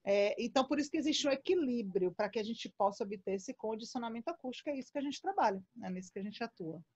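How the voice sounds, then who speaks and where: Woman, high voice, acoustics specialist, patient explainer. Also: animated, fast talker, a little mellow, slightly rough, dull audio. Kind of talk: explanatory casual chat.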